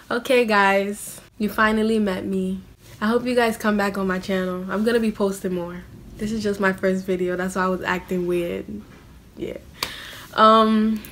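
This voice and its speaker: A woman's voice: medium pitch, a bit bright, slight background noise. A young woman from the US answering viewer questions to camera in a small room, blunt and casual, full of "like" fillers. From United States. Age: young adult. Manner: blunt, casual slang-heavy, many "like" fillers. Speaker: vlogger.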